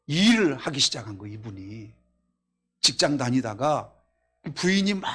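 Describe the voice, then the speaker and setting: A man preaching a Korean sermon at a Friday night service, reading scripture aloud, telling stories and asking the congregation questions, swinging between loud exclamations and quiet asides. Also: on the high side. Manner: reads scripture in a raised voice. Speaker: pastor. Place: church.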